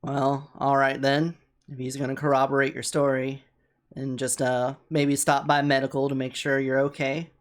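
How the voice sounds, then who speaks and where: Man playing a gruff, suspicious street cop. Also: medium pitch, completely flat delivery, moderate pace, close to an everyday voice. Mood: grudgingly apologetic. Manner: blunt, commanding, dismissive. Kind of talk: tabletop role-play in character.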